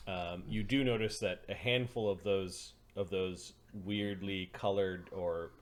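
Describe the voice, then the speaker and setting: A man's voice: low voice, steady tone, measured pace. A man narrating a tabletop role-playing game as game master, describing scenes as he improvises them.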